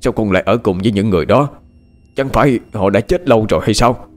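A man's voice: lowish voice, fast, natural voice. A man voicing an older village teacher, grieving and anxious, speaking in a choked voice and asking urgent questions.

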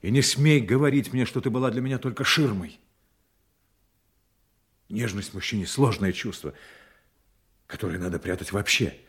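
An actor playing a guarded secret agent, tender but bitter, with an intense, deliberate delivery in a Russian audio play. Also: male voice, fairly low pitch, husky. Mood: wounded, passionate. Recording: music under the voice.

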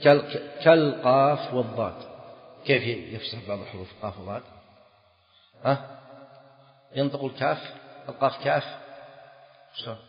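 A man's voice: mid-range voice, normal speed, pauses often. Male scholar, repetitive teaching lecture, dull recording with long reverb. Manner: explanatory, quizzes students, repeats phrases. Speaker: Islamic scholar teaching fiqh. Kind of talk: classroom lecture on a text. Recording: dull lo-fi audio in a reverberant hall.

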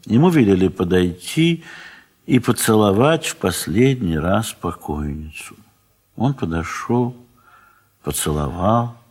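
Male narrator, for literary audio drama: lower register, unhurried, measured and dramatic phrasing. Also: a little mellow, husky.

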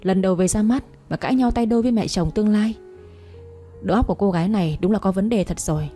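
A stern older patriarch scolds the young couple with open disapproval, as a woman puts him on. The tone is dark and mellow, never bright. Soft music plays under the storybook reading. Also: mid-range voice, fast, natural voice. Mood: scolding. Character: stern older father, scolding head of family.

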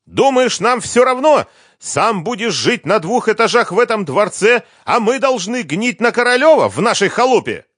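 A shrill, furious ex-wife in an audiobook, her voice pushed far up and swinging wildly as she screams accusations. The reading sounds dry and close, with no room around it. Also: sing-song, normal speed, a bit bright, breathy edge, dry recording, exaggerated voice. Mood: screaming fury. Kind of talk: audiobook character voice.

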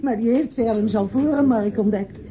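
An actress playing a proud, chatty party hostess in a Dutch radio play, talking in a homely way. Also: female voice, on the high side, normal speed, natural voice. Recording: dull old radio recording, party chatter behind.

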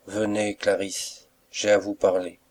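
A man reading an audiobook, voicing a mysterious young suitor who speaks gently and respectfully, with soft reproach. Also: lowish voice, little pitch movement, measured pace. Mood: tender.

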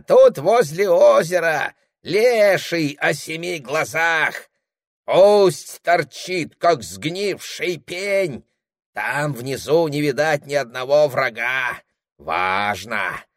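A frenzied old shaman howls and chants in a trance, his voice pushed high and drawn out. Gravelly and hoarse, the cries swing wildly up and down, in a dry, close sound. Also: no room sound, heavily acted.

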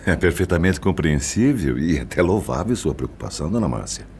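A courteous, respectable Brazilian gentleman in a radio drama. His voice is extremely deep and mellow, with expressive rises and falls. He is formal and reassuring, over a noisy ambient track. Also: fairly quick.

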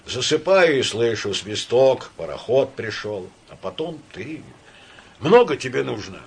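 A man's voice: mid-range voice, big pitch swings, a little slow, husky, pitched above the performer's own voice, heavily acted. A man reading an audiobook voices a huge, sleepy, good-natured doctor who sighs heavily and grumbles. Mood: grumbling, sleepy. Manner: heavy sighing, grumbling.

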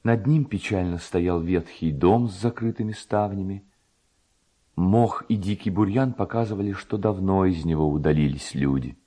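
Mellow, low-voiced male storyteller. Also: moderate pace. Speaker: narrator. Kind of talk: dramatic literary storytelling.

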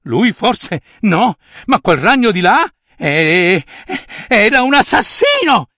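A man voicing an excitable, boastful male white coypu who talks breathlessly and indignantly. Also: sits high, slow pace, no room sound, clean studio sound, voice pushed up, full character voice. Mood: agitated.

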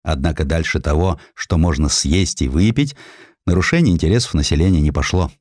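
A man reading a scripted historical narrative in an expressive, emphatic storytelling manner. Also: extremely low pitch, fairly quick, dry recording, studio quality. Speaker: audiobook narrator.

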